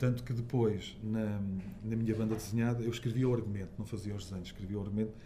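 At a fairly quick pace, a medium-pitched man speaks with monotone, flat intonation in audible room echo. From Portugal, Douro village and Lisbon area. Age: 50s. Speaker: novelist and food researcher. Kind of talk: public book talk interview. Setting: live event with audience.

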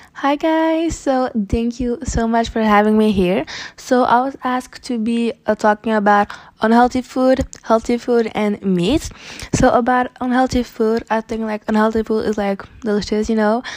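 A woman with a non-native accent and fairly high pitch, at a moderate pace with ordinary pitch variation. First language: not English. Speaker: invited opinion contributor. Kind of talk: recorded voice message. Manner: halting, many fillers.

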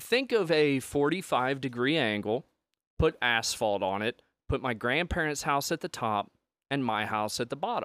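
A man with a plain, everyday voice and a medium pitch speaks at a moderate pace with lively intonation and an American accent, in a very clean, silent recording with a dry, close sound and no echo. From Pennsylvania. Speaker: podcast guest, contest winner. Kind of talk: casual comedic chat and storytelling.

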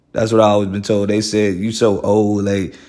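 A man's fairly low, dark, mellow voice with audible room echo. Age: 20s. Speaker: podcaster and content creator. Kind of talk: casual solo monologue.

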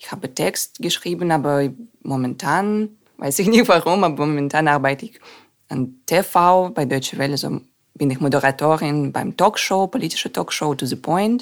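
A woman's very deep, low voice in a Russian accent, with lively intonation and big swings in loudness. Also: moderate pace. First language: Russian (speaking German). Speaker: journalist and news presenter. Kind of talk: casual chat. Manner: halting.

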